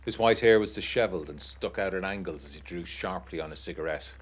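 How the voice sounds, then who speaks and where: A man acting an educated 1920s gentleman who reads out his uneasy letter in a formal, measured, literary way. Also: deep voice. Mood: sombre, descriptive. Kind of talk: dramatic reading of a gothic period letter.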